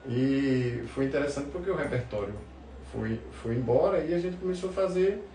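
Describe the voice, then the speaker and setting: A man from the forró scene speaks in a casual, anecdotal way with a northeastern Brazilian accent. His voice has a strong creaky grain. The sound is roomy, with faint noise behind him. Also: mid-range voice, expressive, normal speed, mellow. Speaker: podcast guest, forró musician. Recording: roomy, distant mic, faint background noise.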